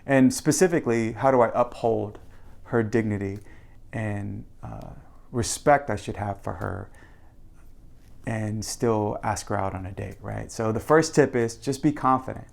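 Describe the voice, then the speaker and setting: A podcast co-host, a man with a medium-pitched, gravelly voice, delivers a casual advice monologue. He talks like a coach: earnest, confident, and conversational.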